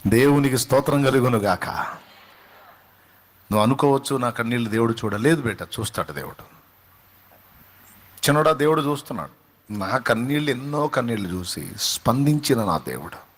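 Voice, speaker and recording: A man preaches a sermon at a middle pitch. He presses each point home by repeating key phrases and throwing rhetorical questions at the listener. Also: animated, normal speed, pauses often. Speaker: pastor.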